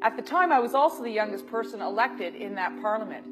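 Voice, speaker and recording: A woman politician giving a proud, steady, upbeat prepared statement. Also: a little high, fast talker. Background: music.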